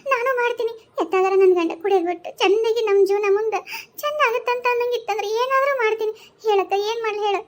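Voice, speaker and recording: A tearful, pleading village wife from a cartoon, as a woman voices her, speaking with a North Karnataka accent. Her voice sits very high and moves quickly. She begs and repeats herself. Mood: resolved. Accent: North Karnataka Kannada. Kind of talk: cartoon voice acting.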